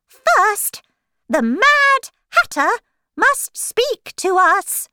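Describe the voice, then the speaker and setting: Woman as an excitable high-pitched White Rabbit. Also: extremely slow, no echo, exaggerated voice. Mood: urgent. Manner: urgent, loud proclaiming. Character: excitable, hurried White Rabbit court herald.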